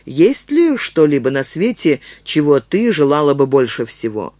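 A man voicing an ancient giant male djinn in an audiobook, calm and courteous, speaking slowly and in a measured way. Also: fairly high pitch, dry recording.

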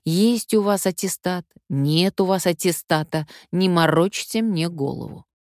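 An older woman from Siberia, a stage actress, telling stories from her own life in a wry, lively anecdotal way. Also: fairly low pitch, a little slow, no room sound, studio quality. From Omsk, Siberia, Russia. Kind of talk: memoir storytelling.

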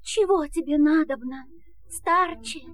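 A woman's voice: high-pitched, measured pace. A woman playing a kindly, regal magical golden fish in a fairy-tale audio drama. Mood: gracious, soothing.

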